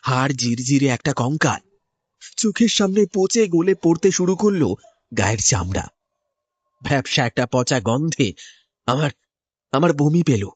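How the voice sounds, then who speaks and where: A man's voice: on the high side, expressive, moderate pace, no room sound. A man narrating a horror cartoon in the first person, in a tense, dramatic storytelling manner. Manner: tense, storytelling delivery with sudden rises.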